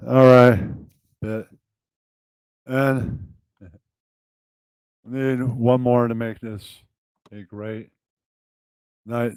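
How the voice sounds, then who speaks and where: A man's voice: lowish voice, no room sound, poor audio. A man hosting his own puppet show, chatting off-script and muttering to himself as he sets up. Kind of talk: casual off-script chat while setting up.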